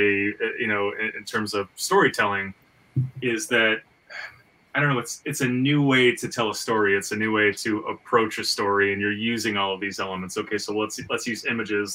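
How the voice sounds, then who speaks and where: A man's voice: on the low side, bright, forceful tone. A man hosting a casual podcast discussion, talking in an enthusiastic, rambling way with repeated stammers, recorded at some distance from the mic. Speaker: podcast host and comic book writer.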